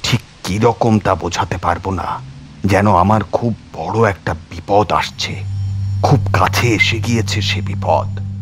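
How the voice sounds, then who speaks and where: A man with a low voice narrates a scripted horror tale. His delivery is dramatic audiobook storytelling, set over faint background music. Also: unhurried, a bit bright.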